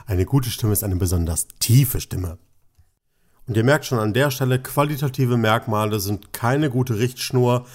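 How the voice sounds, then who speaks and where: Male voice coach explaining to students, mid-pitched, expressive, drawn-out emphasis. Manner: lively, shifts pitch and pace for emphasis. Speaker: voice and singing teacher. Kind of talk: explanatory lesson.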